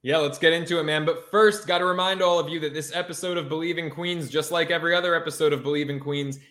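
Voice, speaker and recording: A man's voice: fairly high pitch, steady tone, quick pace, a bit bright. A man co-hosting a sports podcast in a casual, brash, slangy style with some swearing.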